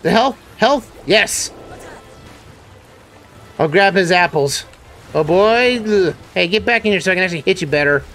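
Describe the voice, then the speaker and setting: A man streaming a video game live, reacting excitably with frequent exclamations and laughter. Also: high voice, moderate pace, long pauses, soft background music. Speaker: gameplay streamer. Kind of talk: live gameplay commentary.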